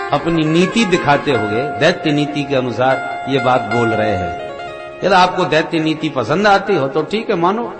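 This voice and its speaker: A man preaching a devotional scripture sermon, expressive and animated, reciting Sanskrit verses. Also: fairly high pitch. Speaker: religious storyteller. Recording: reverberant hall with instrumental music.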